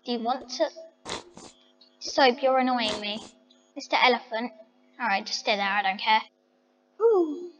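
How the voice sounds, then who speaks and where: A woman's voice: on the high side, animated, a little slow, pauses often, a bit bright, long reverb tail, dull audio, soft background music. A woman chatting to her viewers as she decorates a house in a game, thinking aloud. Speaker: vlogger. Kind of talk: casual game commentary.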